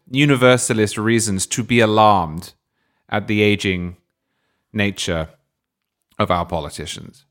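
With an English accent, a man speaks at a fairly low pitch and fairly slow pace with lively intonation, on a very clean recording with a silent background. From England. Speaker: political commentator. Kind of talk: casual panel discussion.

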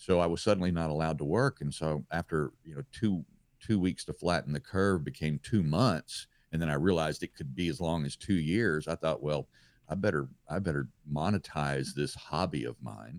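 With an American accent, a man speaks at a very deep, low pitch with vocal fry. The sound is dry and close, with no echo. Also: ordinary pitch variation, moderate pace. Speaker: independent journalist and musician. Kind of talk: interview. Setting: video call.

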